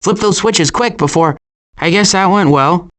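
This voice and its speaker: An actor voicing a cautious, worrying turtle in an animated video game, with a dry, hesitant and wry delivery. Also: male voice, sits high, normal speed. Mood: urgent. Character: cautious, worrying male cartoon turtle, dryly sarcastic.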